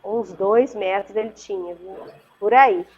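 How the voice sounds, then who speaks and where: A woman's voice: medium pitch, measured pace, darkish tone, husky. A woman with a Brazilian Portuguese accent, telling a story as an interview guest over a video call, earnest and vivid, often checking in with her listener. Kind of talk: conversational storytelling. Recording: muffled lo-fi video call audio.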